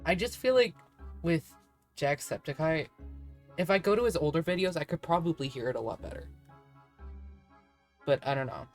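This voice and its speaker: A woman's voice: low-pitched, lively intonation, moderate pace, long pauses, darkish tone. A woman streamer chatting casually while playing a game, rambling and laughing often. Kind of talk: casual chat while gaming. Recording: faint music behind.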